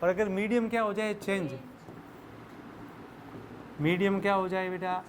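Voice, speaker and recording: A high-pitched male physics teacher lecturing a classroom and firing questions at his students. He calls them "beta" and laughs and jokes along with them. Faint noise sits under the recording. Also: fairly even intonation, a little slow.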